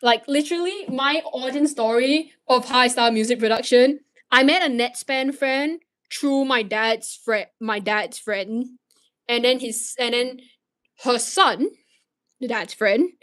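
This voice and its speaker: A woman's voice: a little high, unhurried. A teenage woman from Malaysia streaming, chatting casually and answering viewer questions, rambling with restarts and swearing.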